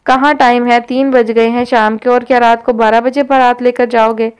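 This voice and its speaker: A woman's voice: fairly high pitch, flat delivery, clean tone, close to an everyday voice. A woman reading the lines of a bossy, scolding old grandmother in an audio novel. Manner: scolding, loud.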